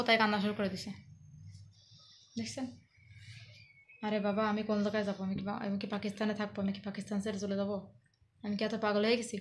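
A woman's voice: medium pitch, a bit bright, slight background noise. A woman from Bangladesh speaking, coaxing and teasing her husband at home while talking to her viewers. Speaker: vlogger filming her husband. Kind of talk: casual home vlog.

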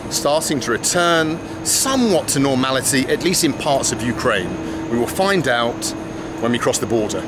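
A man in his thirties chatting with wry asides to a handheld camera at arm's length, vlogging his travels through a big train station and onto a train. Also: on the high side. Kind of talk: casual travel vlog to camera. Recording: noisy station and train ambience.

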